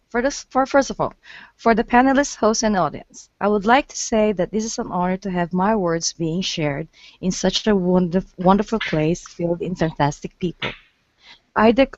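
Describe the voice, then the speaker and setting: A woman's voice: fairly low pitch, a little mellow, dry recording. Woman reading her poem, dull line. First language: Portuguese. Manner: earnest, halting, restarts words. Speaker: guest poet.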